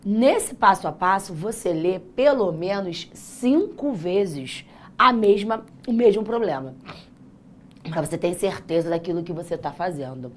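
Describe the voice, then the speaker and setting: A Brazilian woman with a naturally husky, hoarse voice, teaching a live online exam-prep class in an informal, encouraging, chatty way. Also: on the low side, expressive, unhurried, a little hiss or hum. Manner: chatty, encouraging, addresses students directly. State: hoarse, voice worn out. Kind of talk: live online lesson, informal pep talk.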